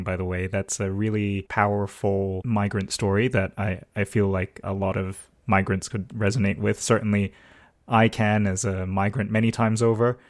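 A man's voice: on the low side, no echo, clean studio sound. A man hosting a podcast, thanking his guest and asking long, winding questions in an appreciative way. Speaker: podcast host. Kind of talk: podcast interview.

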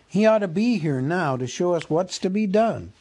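A man reading an audiobook aloud, voicing a band of merry, tipsy male elves with loud, jeering voices. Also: sits high, lively intonation, moderate pace, voice pushed up. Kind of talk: audiobook character voice.

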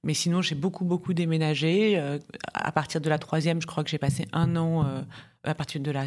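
A woman in her forties from Paris, a business tax lawyer chatting as a podcast guest, talking in lively bursts with quick asides and frequent laughs. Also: sits low. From Paris, France. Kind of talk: casual interview chat.

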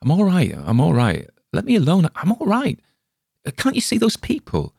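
A man's voice: expressive, normal speed, darkish tone, dry recording, studio quality. A man voicing a nervous, frightened grown man who was shaken after a crash, reading in a dramatic audiobook style. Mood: frantic. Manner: agitated, high-pitched, pleading.

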